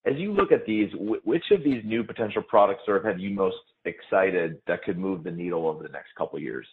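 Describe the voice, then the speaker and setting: A man's voice: sits low, animated, brisk. A man asking questions as a financial analyst on an earnings call. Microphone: phone. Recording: tinny, narrow phone line.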